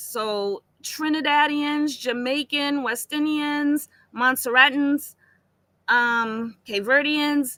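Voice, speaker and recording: A woman with an American accent speaks very slowly in a high pitch with ordinary pitch variation. Her tone is bright and sharp, and her voice is raised and projected. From Boston, Massachusetts. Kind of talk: casual chat. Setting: live stream.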